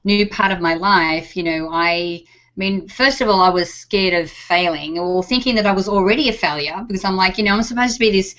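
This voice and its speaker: A woman's voice: medium pitch, brisk. A woman hosting an interview show, talking casually with lots of fillers. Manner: warm-up chatter with many fillers like um and you know. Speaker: show host. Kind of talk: conversational interview. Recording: dull lo-fi recording.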